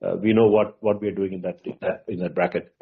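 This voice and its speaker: A man answers as a company executive on an earnings call, halting yet emphatic, posing questions and answering them himself. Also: low voice, level tone, gravelly. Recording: muffled, dull conference call audio.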